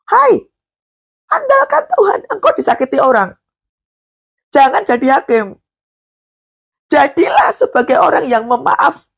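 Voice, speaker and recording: A woman, preaching a live devotional sermon, often putting questions to the congregation and rising high on emphatic words. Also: gravelly.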